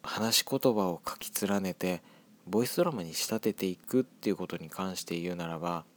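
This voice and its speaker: Low, soft-spoken Japanese man from Hiroshima. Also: a little fast. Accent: Hiroshima dialect. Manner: reflective, hedging, soft-spoken. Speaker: scriptwriter of an audio drama group. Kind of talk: commentary on his audio drama.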